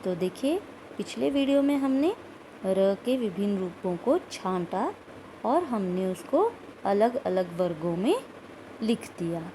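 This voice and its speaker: A woman's voice: mid-range voice, animated, a little slow, mellow, a little hiss or hum, rough recording. A woman teaching a recorded school Hindi lesson, explaining step by step and repeating words and sounds aloud. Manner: asks questions of pupils, adds "ठीक है" often.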